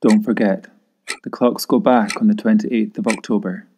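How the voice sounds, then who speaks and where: A man giving a grave, measured voice-over in the sober style of a public safety advert. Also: lowish voice, steady tone, dark tone, slight background noise.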